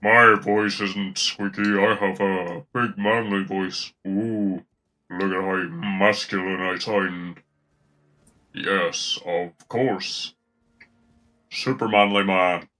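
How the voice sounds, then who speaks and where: Guy putting on a big manly deep voice, super slow, jokey brag. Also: steady tone, sharp tone, heavily acted, rough recording. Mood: mock-macho. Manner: mock-boastful, slow and drawn out. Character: exaggerated deep-voiced macho man.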